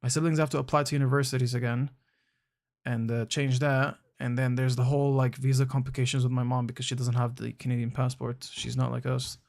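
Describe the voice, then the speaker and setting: A man's voice: medium pitch, flat delivery, brisk, vocal fry, a little mellow. A young man from the United Arab Emirates chatting casually with viewers on a live stream, easygoing and slangy, thinking aloud with frequent restarts. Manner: laid-back, slangy, calls chatters bro.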